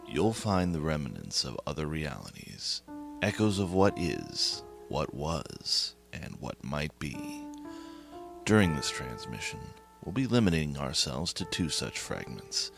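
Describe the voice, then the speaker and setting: A man hosting a horror anthology, reading scripted narration in a slow, hushed, ominous way. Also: very deep voice, vocal fry.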